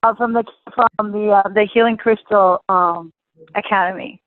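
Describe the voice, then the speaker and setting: A woman's voice: mid-range voice, steady tone, moderate pace, no room sound. A woman taking part in a group conference call, hesitant and searching for words. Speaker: course participant. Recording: tinny dry phone line.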